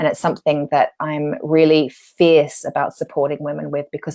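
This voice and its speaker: Speaking with a British accent, a woman has a dark, mellow tone. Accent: very British. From Australia. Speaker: self-love coach and workshop host. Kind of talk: live online workshop talk. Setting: Facebook Live stream.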